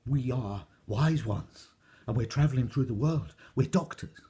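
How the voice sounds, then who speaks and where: A man voicing a curious young princess in a raised, quick, light voice. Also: warm tone. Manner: high, quick and breathy.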